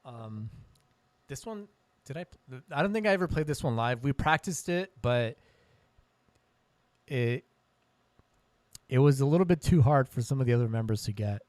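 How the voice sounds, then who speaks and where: A man's voice: mid-range voice, animated, normal speed, long pauses, darkish tone, dry recording. Casual male guitarist, loose and profane, talking over his songs; dry, close sound. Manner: rambling, swears freely, self-quoting. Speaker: guitarist and songwriter. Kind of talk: casual chat between guitar playing.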